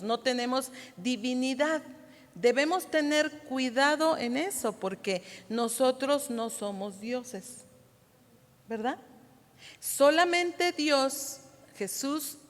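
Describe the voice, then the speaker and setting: A Mexican woman giving a church Bible lesson, explaining step by step and often asking the congregation to confirm they follow. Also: fairly high pitch. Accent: Mexican Spanish. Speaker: Bible study teacher. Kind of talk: church teaching. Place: church hall. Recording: reverberant hall, sound system distortion.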